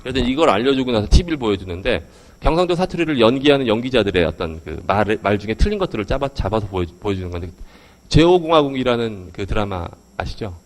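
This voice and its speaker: Speaking quickly into a handheld mic, a male English education lecturer addresses an audience in a hall. He fires questions at the crowd, his pitch jumping up and down, and stays animated the whole way through.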